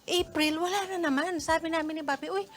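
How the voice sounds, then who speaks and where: A middle-aged woman chatting casually as a guest, an animated storyteller who laughs often and slips English phrases into her talk. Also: very high-pitched, fast, very noisy. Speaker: guest sharing a testimony while cooking. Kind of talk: casual chat. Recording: music playing under the talk.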